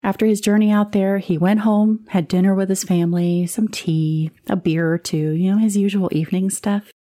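Mellow-voiced woman telling a spooky story. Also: mid-range voice, fairly even intonation, normal speed. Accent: Southern US. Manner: conversational, with asides and dropped whispers. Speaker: podcast host. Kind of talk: casual storytelling narration.

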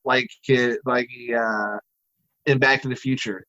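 A man's voice: medium pitch, fairly even intonation, measured pace, pushed and bright, no room sound. A man chatting casually as a podcast co-host, his audio coming through a phone on a remote call and breaking up into a choppy, digitized buffering stutter. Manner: rambling, with many fillers. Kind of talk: casual chat. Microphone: phone audio over a remote call. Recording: dull lo-fi phone line, dry.

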